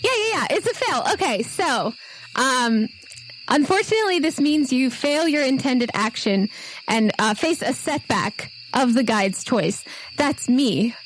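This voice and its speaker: A woman game master improvising narration for a tabletop role-playing game in a conversational, halting, descriptive way. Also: high-pitched, lively intonation, low-quality recording. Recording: faint noise with night insects and owls.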